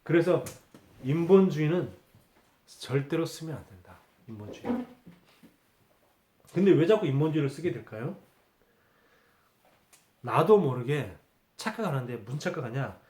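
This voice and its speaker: Male pastor, higher voice, Sunday sermon, repeats key words, reverberant hall. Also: animated, normal speed, long pauses, dark tone. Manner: rhetorical questions answered himself, repeats key words. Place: church sanctuary.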